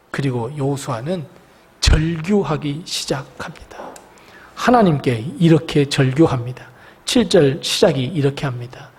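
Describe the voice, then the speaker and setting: High, sing-song male preacher. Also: husky. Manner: dramatic preaching that drops to whispers and rises to loud cries. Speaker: pastor. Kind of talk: sermon.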